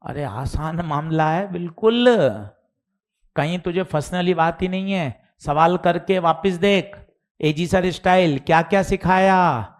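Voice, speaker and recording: A man teaching physics in a live online class, explaining slowly and deliberately and acting out his students' questions. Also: high-pitched. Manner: addresses students informally, mimics their questions.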